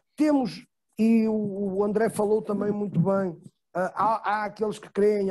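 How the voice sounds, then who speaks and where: With a European Portuguese accent, a man talks in a high pitch with a dark, mellow tone. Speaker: football agent or coach. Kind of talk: casual chat. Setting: video call. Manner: fast.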